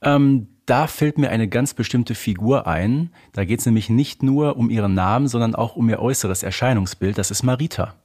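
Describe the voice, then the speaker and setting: A man's voice: mid-range voice, moderate pace, few pauses, darkish tone, slightly rough. A German man co-hosting a casual fan podcast, explaining things in a matter-of-fact, conversational way. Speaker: podcast co-host.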